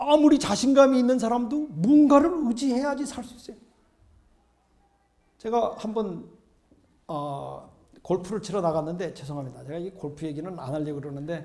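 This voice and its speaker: A man's high-pitched voice with very wide pitch swings, big swings in loudness and long, frequent pauses at a moderate pace, in audible room echo. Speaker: pastor. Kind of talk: sermon. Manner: animated.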